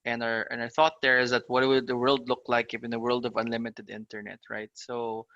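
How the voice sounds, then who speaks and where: Gravelly, bright-voiced man. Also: medium pitch, little pitch movement, a little fast, no room sound, lo-fi sound. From Philippines. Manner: upbeat, talks in long runs full of "uh" and "you know". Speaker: guest, fintech startup founder. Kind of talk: casual podcast interview.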